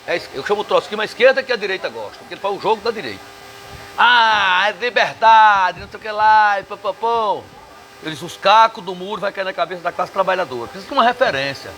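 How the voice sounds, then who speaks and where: Northeastern Brazilian man, guest: bright, forceful voice, emphatic and combative, swears freely. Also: high-pitched, expressive, quick pace, a little hiss or hum, low-quality recording. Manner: emphatic, combative, salty language. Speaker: interview guest. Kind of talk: casual bar interview. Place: bar.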